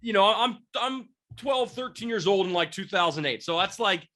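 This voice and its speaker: A man's voice: high voice, lively intonation, normal speed, pushed and bright. A man in his twenties, congested from a cold, hosting a casual sports podcast and rambling with lots of fillers and restarts. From Washington State, near Seattle. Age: 20s. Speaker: podcast host, sports beat writer.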